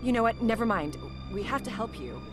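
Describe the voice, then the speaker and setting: Game character: young woman, high-pitched, earnest, fretful and insistent, music underneath. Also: big pitch swings, fairly quick. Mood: anxious, urgent. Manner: earnest, anxious, stammering. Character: worried, insistent young woman, caring old friend. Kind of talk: video game dialogue acting. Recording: game audio with music behind.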